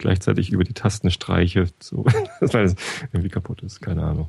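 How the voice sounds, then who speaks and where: A man speaks at a fairly quick pace in a very deep, low pitch. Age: 30s. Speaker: caller. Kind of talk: casual chat. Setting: Skype call at home.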